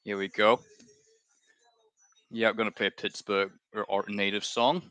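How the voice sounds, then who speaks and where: Male streamer, low-ish clear voice, dry close sound, chatty and rambling. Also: little pitch movement, normal speed, pushed and bright, no echo, soft background music. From Malaysia. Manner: chatty, rambling, self-correcting. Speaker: live-stream host. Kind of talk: casual watchalong chat.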